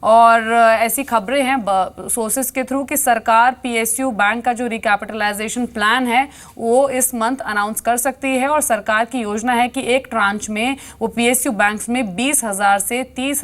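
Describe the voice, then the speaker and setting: A woman anchoring live business news from a TV studio, her voice sitting a little high. She talks briskly and fluently, sprinkling English market terms into her Hindi. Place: television studio.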